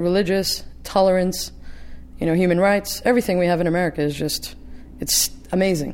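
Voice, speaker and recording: A woman with a New York accent, a fairly low pitch, fairly even intonation and a fairly quick pace broken by long, frequent pauses. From New York City. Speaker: emergency doctor. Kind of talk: interview. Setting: in Karachi, Pakistan.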